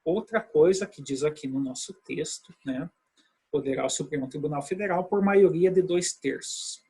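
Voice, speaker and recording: A man's voice: a little high, moderate pace, warm tone, slightly rough, low-quality recording. A man teaching a law lesson online, explaining step by step and often checking in with his students. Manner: explanatory, with many tag questions to students. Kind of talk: online video lecture.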